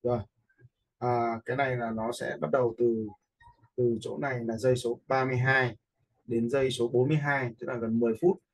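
Người đàn ông hướng dẫn, giọng hơi khàn. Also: male voice, medium pitch, level tone, brisk, poor audio. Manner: informal, step-by-step, often checking in with listeners. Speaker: video editing instructor. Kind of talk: casual screen-recorded software tutorial. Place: indoors, voice-over for a screen recording.

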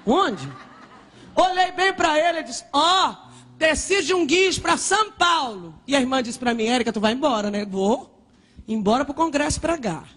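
A woman missionary from Brazil preaching a fervent pentecostal sermon and testimony, often shouting and speaking in tongues. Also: high voice, animated, moderate pace.

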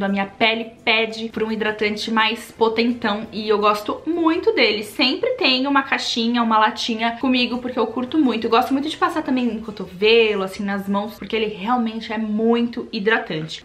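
A woman's voice: on the high side, fairly bright tone. A young woman casually reviewing drugstore beauty products to camera in a chatty, upbeat way, repeating words for emphasis, seated indoors in a home studio. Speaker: beauty vlogger.

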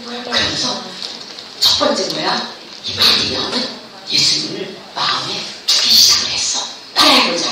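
Preaching with passion at a student camp, a middle-aged woman pastor leads the group in repeating her words. She speaks at medium pitch and a moderate pace, with lively intonation and frequent pauses. The sound carries the echo of a big hall, picked up by a faraway mic amid background noise.

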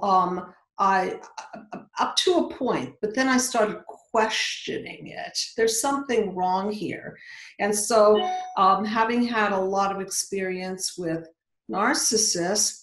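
A woman in her sixties from Hungary, speaking as a psychologist guest on a video call. She explains earnestly and often restarts mid-sentence. The webcam audio has a roomy, echoing sound. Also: mid-range voice. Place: indoor home office.

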